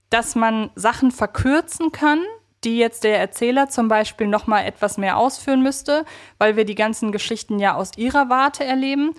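A woman co-hosting a casual fan podcast, chatty and thinking aloud as she rephrases her points. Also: medium pitch. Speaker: podcast co-host.

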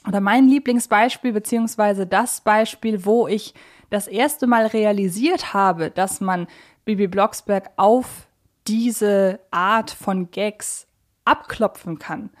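A woman's voice: mid-range voice, takes it slowly. Chatty woman hosting a podcast. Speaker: podcast host. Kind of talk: conversational podcast moderation.

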